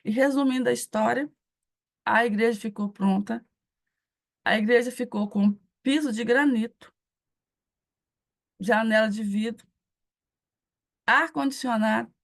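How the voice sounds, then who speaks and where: A middle-aged woman with a Brazilian Portuguese accent, preaching a testimony and acting out the dialogue in an animated storytelling manner. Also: on the high side, a little slow, vocal fry, long pauses. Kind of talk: testimony sermon.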